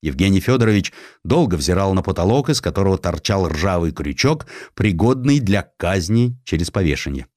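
Low-voiced man narrating with expressive range. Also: moderate pace, few pauses, no echo, clean studio sound. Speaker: audiobook narrator. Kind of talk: dramatic literary narration of a historical story.

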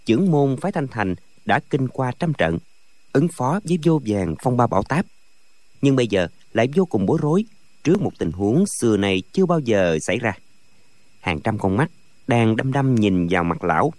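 A man narrating a martial arts novel as an audiobook, with expressive storytelling. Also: mid-range voice, no room sound.

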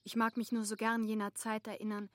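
A woman's voice: a little high, monotone, a little fast, no room sound, natural voice. An actress playing a humble, affectionate, devoted young girl in a literary radio drama. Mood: tender, devoted.

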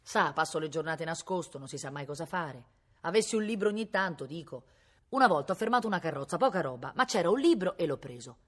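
A woman's voice: deep voice, animated, fast. A woman reading aloud voices a shabby, bearded male bandit who talks in a hesitant, sheepish way.

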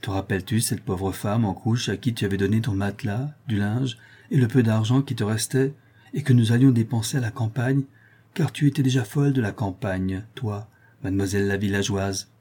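A man's voice: on the low side, fairly quick, slightly rough. A man reading an audiobook aloud, voicing a cheerful, talkative young Parisian seamstress. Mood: affectionate. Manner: lively, affectionate, talkative.

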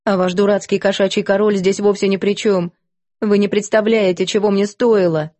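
An earnest young woman, put on by a woman reading a storybook, speaks quietly with a sharp edge. The tone is mellow and the sound is dry. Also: mid-range voice, level tone, dry recording, natural voice. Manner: earnest, quick to anger.

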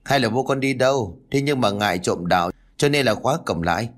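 A man's voice: medium pitch, fairly quick, close to an everyday voice. A man voicing an anxious adult son in a village family, urgent and flustered.

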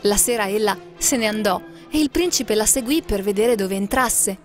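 A woman narrating a fairy tale aloud in a lilting, expressive storybook manner. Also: medium pitch, normal speed, soft background music.

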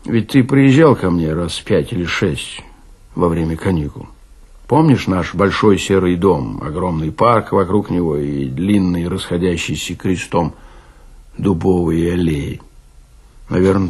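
A man's voice: deep voice, a little mellow, husky, heavily acted. A man voicing a gloomy, prematurely aged café drinker in a literary radio play, telling his story in a melancholy, confessional way.

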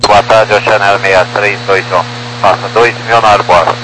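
A man's voice: on the low side, steady tone, a little slow. A Brazilian man working as an air traffic controller, giving clipped instructions digit by digit over a radio like police dispatch. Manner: reads numbers digit by digit. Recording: noisy radio channel with electrical hum.

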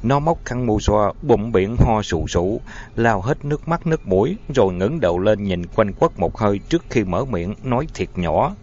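A man narrating an audiobook story with an expressive, dramatic reading. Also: fairly low pitch, moderate pace. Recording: dull lo-fi audio, faint music.

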